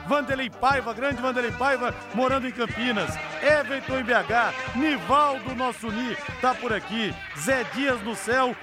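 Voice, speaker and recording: A man's voice: extremely high pitch, normal speed, few pauses, music in the background. A man with a Brazilian accent hosting live sports talk on the radio, emphatic with conversational asides. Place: radio studio.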